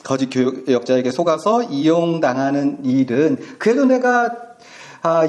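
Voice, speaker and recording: Middle-aged male pastor, sermon, fairly high voice with big swings, conversational and questioning. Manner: lively, acts out quoted voices with big pitch jumps; conversational, asks the listeners questions.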